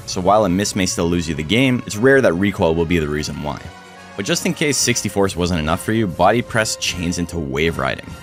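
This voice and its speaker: A man narrating a scripted video essay in a blunt, casual way that includes free swearing, his voice hoarse, cracking and frying. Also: low voice. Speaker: host of a game strategy channel.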